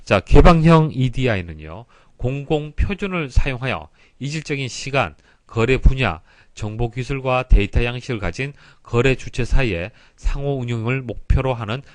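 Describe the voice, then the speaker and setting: A man's voice: medium pitch, animated, normal speed, hardly any pauses, no echo. A man giving an explanatory exam prep lecture in a didactic way, stressing key terms and explaining politely. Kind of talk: explanatory lecture, reading and solving exam questions.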